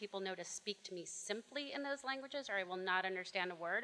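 Her tone is bright and sharp. The woman speaks at a moderate pace with ordinary pitch variation. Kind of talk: group discussion. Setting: meetup room with live audience. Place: meeting room.

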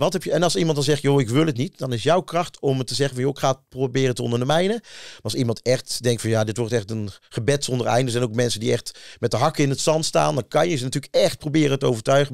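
A man speaks at a very fast pace with ordinary pitch variation. The sound is dry with no echo, against a quiet background. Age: 40s. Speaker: TV chef and e-commerce entrepreneur; podcast guest. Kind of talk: casual interview. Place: studio. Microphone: studio mic.

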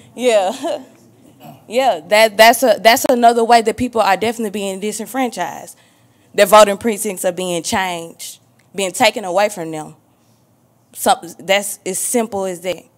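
With a Mississippi accent, the speaker keeps a moderate pace, with long, frequent pauses and big swings in loudness. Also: woman, medium pitch for a woman, ordinary pitch variation. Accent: US Southern (Mississippi). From Mississippi Delta. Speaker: community organizer, audience member. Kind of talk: audience question and comment.

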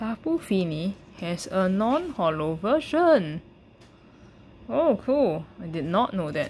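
A woman speaks at a very slow pace with long, frequent pauses. Her pitch swings very widely, over light background noise. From Singapore. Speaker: YouTuber, card collector. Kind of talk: unboxing video commentary. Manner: halting, many fillers. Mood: curious, mildly excited.

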